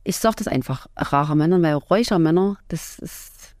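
A woman from the Erzgebirge with a Saxon accent, co-hosting a casual podcast chat from a home party room, talking with frequent fillers and pauses. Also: low-pitched, darkish tone, no room sound, clean studio sound. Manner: chatty, hesitant with fillers, laughs easily. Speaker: podcast co-host.

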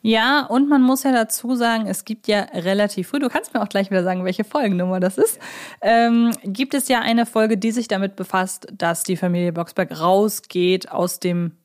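A woman's voice: medium pitch, moderate pace. A woman from northern Germany talking casually as the co-host of a conversational podcast. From Hamburg, Germany.

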